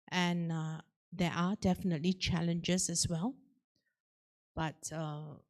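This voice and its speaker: Woman, Singaporean English accent, panelist, unhurried, lowish voice, explanatory. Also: a little mellow. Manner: measured, explanatory, uses many fillers. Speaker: forum panelist. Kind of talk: panel discussion answer.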